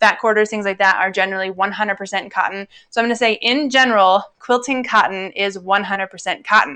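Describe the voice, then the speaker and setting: A woman's medium-pitched voice, very fast with hardly any pauses and fairly even intonation, against a quiet background. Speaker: online event moderator. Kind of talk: live Q&A. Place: home room. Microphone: lapel.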